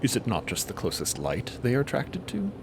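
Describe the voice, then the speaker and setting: A man's voice: medium pitch, huge pitch swings, creaky, noisy background. A man playing a courtly, earnest explorer in an audio drama, speaking formally and with encouragement. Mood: thoughtful. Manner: formal, measured, wordy.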